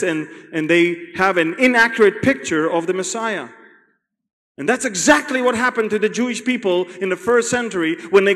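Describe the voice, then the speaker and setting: An Israeli man delivers a sermon, his voice pitched high for a man. He talks animatedly, acting out scenes and repeating key words. The sound carries a long reverb, as if from a large hall. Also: a bit bright. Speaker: Bible teacher.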